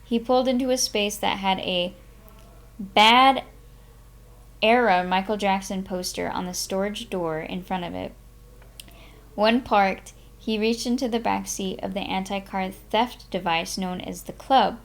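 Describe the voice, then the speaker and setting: Slow-paced woman reading a memoir aloud. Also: medium pitch. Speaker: streamer reading a book aloud. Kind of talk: live read-aloud of a memoir, narration.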